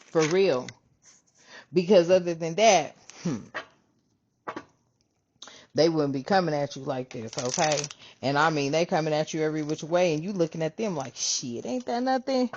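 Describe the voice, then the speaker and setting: Woman host, lowish voice, lively swearing spiritual reading, lo-fi dull recording with faint hiss. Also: normal speed, long pauses. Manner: animated, profane, calls viewers family. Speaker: spiritual reader, channel host. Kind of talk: casual spiritual reading monologue.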